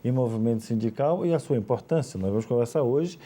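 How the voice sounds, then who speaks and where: A male television host with a Bahian Brazilian accent, speaking in a very dark, mellow tone. He asks his questions briskly and drops in casual, colloquial remarks. The setting is a studio interview. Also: medium pitch, expressive. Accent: Brazilian Portuguese, Bahian.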